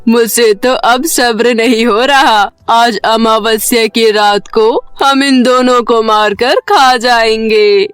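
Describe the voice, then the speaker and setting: A woman voicing a hungry, bloodthirsty witch with drawn-out menace in a cartoon story. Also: on the high side, steady tone, clear, resonant tone, no echo, soft background music, voice pushed down.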